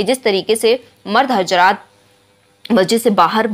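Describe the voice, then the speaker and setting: A woman speaks at a medium pitch in a plain, everyday voice, with fairly even intonation. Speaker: Islamic religious instructor. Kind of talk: religious lecture (bayan) to camera.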